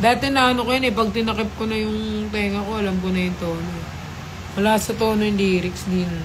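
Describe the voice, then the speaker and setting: A woman at a fairly quick pace, fairly even in intonation, with audible room echo and noticeable background noise. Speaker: livestreamer. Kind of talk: casual livestream chat.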